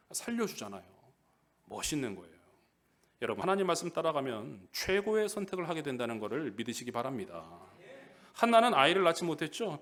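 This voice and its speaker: A middle-aged male pastor giving a sermon in church, lively and direct, often throwing questions to the congregation. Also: fairly high pitch. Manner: animated, calls out questions to the congregation.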